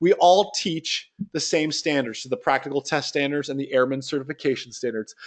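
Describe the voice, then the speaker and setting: With ordinary pitch variation, a man talks over a quiet background. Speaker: flight instructor. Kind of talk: webinar Q&A. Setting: online webinar call. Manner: fast; animated.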